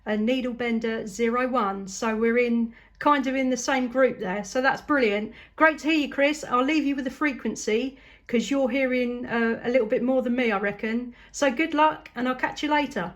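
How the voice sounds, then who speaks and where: A woman's voice: a little high, normal speed. A woman with a southern English accent chats casually and enthusiastically as a CB radio operator making long-distance contact. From southeast England. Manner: upbeat, enthusiastic, chatty.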